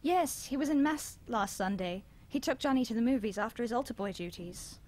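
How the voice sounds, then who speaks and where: Woman acting a high-voiced, fussing, anxious mother. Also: lively intonation, fairly quick, a little mellow. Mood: exasperated, trusting. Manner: fussing, concerned. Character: anxious, doting middle-aged mother fussing over her children. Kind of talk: audio drama acting.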